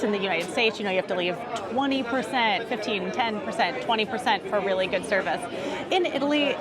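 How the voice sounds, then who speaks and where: A woman giving casual travel tips in a chatty, explanatory way, filming on city streets and in a car. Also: fairly high pitch. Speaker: travel vlogger. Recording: outdoor street noise and crowd.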